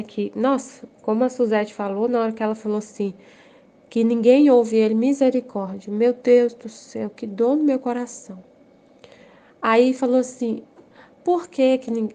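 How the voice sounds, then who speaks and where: A woman's voice: fairly high pitch, dark tone. A Brazilian woman giving an emotional personal testimony, exclaiming and repeating herself as she talks. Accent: Brazilian Portuguese. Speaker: group member sharing testimony.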